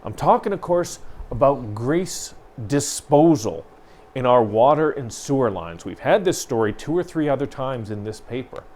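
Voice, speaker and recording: A man's voice: medium pitch, animated, moderate pace, darkish tone. Earnest man discussing local news. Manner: earnest, emphatic, builds to frustration. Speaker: newspaper editor co-hosting a news talk show. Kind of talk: conversational news commentary.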